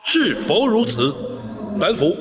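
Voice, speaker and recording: An actor playing a stern imperial judge in a period drama, stately, deliberate and authoritative. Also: male voice, sits high, wildly swooping pitch, noisy background, full character voice. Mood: commanding. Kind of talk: theatrical Chinese period drama acting. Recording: reverberant hall.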